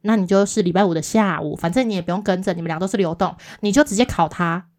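A woman, co-hosting a casual chat podcast and telling a work story in a lively way, acting out the other people's replies. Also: fairly low pitch, fast talker. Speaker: podcast co-host.

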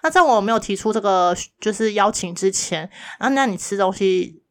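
A woman's voice: mid-range voice, normal speed. A woman co-hosting a casual chat podcast, telling stories and acting out quoted lines with frequent laughs. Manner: chatty storyteller, acts out quoted lines, laughs often. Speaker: podcast co-host.

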